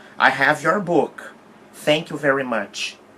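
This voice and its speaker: A man speaks in a Brazilian accent with fairly even intonation. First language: Portuguese. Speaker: painting teacher. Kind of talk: live stream tutorial. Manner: halting, many fillers.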